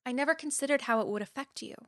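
Impassioned, high-voiced crusading woman. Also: very fast, a bit bright, dry recording, clean studio sound. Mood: guilty, apologetic. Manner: emphatic, impassioned, rhetorical. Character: indignant, crusading female academic activist, fiercely principled. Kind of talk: audio drama acting.

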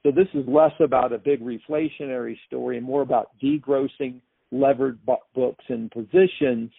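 Husky, gravelly man giving market commentary, phone-like. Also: mid-range voice, steady tone, normal speed, no echo. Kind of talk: unscripted financial commentary. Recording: thin phone-like line.

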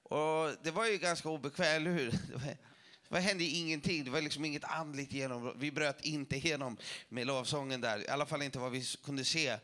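A man preaching to a church audience, telling a testimony story in a lively way with self-mocking jokes. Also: on the high side.

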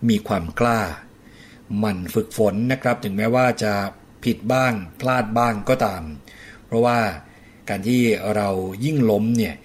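A man's voice: mid-range voice, normal speed. A man presenting a scripted radio segment, polite and instructive, speaking straight to his listeners.

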